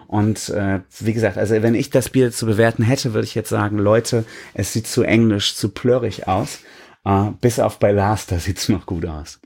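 A man's voice: fairly low pitch, fairly even intonation, normal speed, gravelly, darkish tone. A man co-hosting a podcast, describing and tasting beer in a rambling, self-mocking way with lots of fillers. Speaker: podcast co-host. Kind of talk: casual beer-tasting chat.

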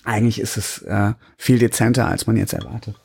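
A man's voice: on the low side, fairly even intonation, fairly quick, creaky, a little mellow, slight background noise. A man co-hosting a podcast, describing and tasting beer in a rambling, self-mocking way with lots of fillers. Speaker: podcast co-host. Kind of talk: casual beer-tasting chat.

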